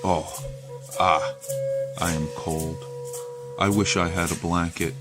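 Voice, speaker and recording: A man's voice: sits low, fairly even intonation, slow pace. A man voicing a selfish trickster spirit from a storybook legend, pleading and self-justifying. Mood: shivering complaint. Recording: loud music behind the voice.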